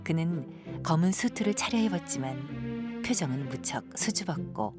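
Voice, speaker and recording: A woman narrating an audio drama like a storyteller, gentle and measured, with breathy sentence endings. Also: sits low, lively intonation. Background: music.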